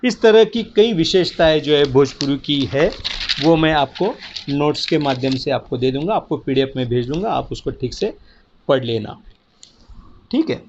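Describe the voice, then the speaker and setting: A man with a fairly high voice gives a lecture to his students. He explains patiently, repeats key words and keeps checking that they follow. The recording is dull and lo-fi. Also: lively intonation, normal speed, a little mellow, a little hiss or hum. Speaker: teacher. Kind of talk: spoken lecture. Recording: dull lo-fi sound.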